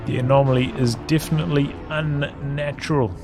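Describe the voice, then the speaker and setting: A man's voice: a little high, steady tone, moderate pace, music in the background, natural voice. A man playing a formal, worried, pessimistic mission controller in a visual novel. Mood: formal, concerned. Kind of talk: visual novel character reading.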